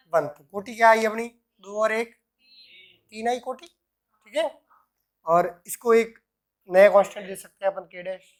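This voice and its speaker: A male chemistry teacher working through examples, asking himself questions and answering them, and dictating formulas slowly piece by piece. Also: high voice. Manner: answers own questions, repeats "ठीक है" often. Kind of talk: explaining worked examples at a board.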